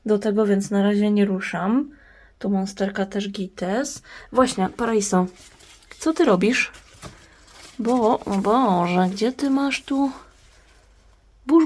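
A woman's voice: medium pitch, darkish tone. A woman hosting a plant-care vlog, chatting casually at her indoor grow box and talking tenderly to her plants. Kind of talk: casual talk while tending plants.

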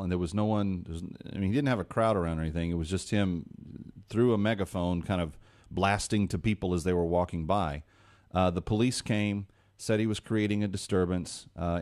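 A man in his forties hosting a call-in radio talk show from a studio, talking earnestly with frequent restarts. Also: deep voice. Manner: earnest, animated hand gestures, many restarts. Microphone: studio boom mic.

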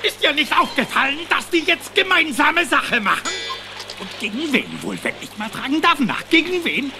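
A hectoring little warmonger of a cartoon animal. The high voice jumps about as it scolds and schemes, over a noisy background. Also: female voice, sing-song, normal speed. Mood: agitating. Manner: hectoring, scheming, clipped commands. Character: bossy, militant animal agitator, self-styled veteran. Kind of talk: animated film radio play dialogue.

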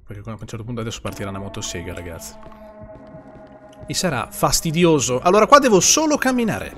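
Man, young, horror game streamer, jumpy, swearing, lively pitch, noisy recording. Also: fast talker. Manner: jittery, swearing, talks to chat. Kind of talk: horror game let's play.

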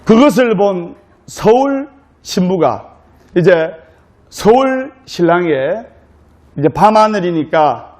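A male Buddhist monk giving a humorous dharma talk to a live audience, telling a story in a jokey, lively way. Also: sits high, slow.

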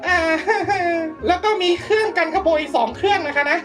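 Very high-voiced chatty young woman. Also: normal speed, over music. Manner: chatty, polite, laughs often, exaggerated dismay. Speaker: VTuber streamer. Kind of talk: casual gameplay commentary.

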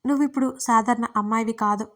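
A woman's voice: a little high, fairly even intonation, quick pace, a bit bright. A woman voicing a cold, aloof young husband in an audio story, talking curtly and dismissively. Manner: curt, detached.

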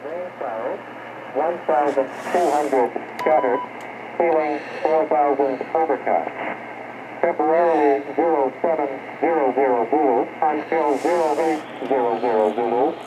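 A man's voice: on the high side, unhurried. A man reading a formulaic aviation weather bulletin in a clipped, impersonal way over shortwave radio. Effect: shortwave sideband radio. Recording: noisy shortwave radio from a speaker.

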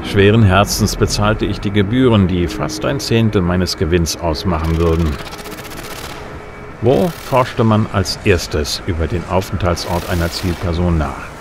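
Man acting a deep-voiced, cocky space bounty hunter. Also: a little slow, background noise. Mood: wry, detached. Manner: laconic, flippant, wisecracking. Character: cocky, wry male bounty hunter narrating his case. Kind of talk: hard-boiled first-person audio drama narration.

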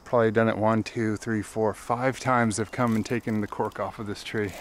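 A man in his thirties talking casually and excitedly as he walks through the overgrown grounds of a ruined palace, recorded outdoors on a clip-on mic. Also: on the low side, moderate pace, a little hiss or hum. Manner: excited, chatty, wondering aloud. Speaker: travel vlogger. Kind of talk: casual walking commentary.

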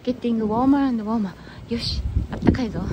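Slow-talking Japanese woman streaming outdoors. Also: a little high, dull audio. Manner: mixes English and Japanese, reads viewer chat. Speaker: live-stream walking host. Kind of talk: casual live-stream chat. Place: city streets outdoors, windy. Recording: loud wind and street noise.

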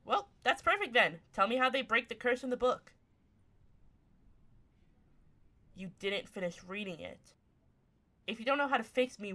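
Bright-voiced, snappy tsundere catgirl played by a woman. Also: medium pitch. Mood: suspicious. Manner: snappy, sarcastic, flustered. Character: grumpy tsundere young woman turned half cat. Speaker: voice actor. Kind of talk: ASMR roleplay, one-sided scripted dialogue.

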